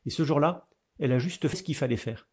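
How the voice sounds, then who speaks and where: A middle-aged man, a priest, giving a webinar talk about his own experience, telling it in an animated way with fillers and repeated words. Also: quick pace, slightly rough. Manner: animated storyteller with sudden rises in pitch and loudness.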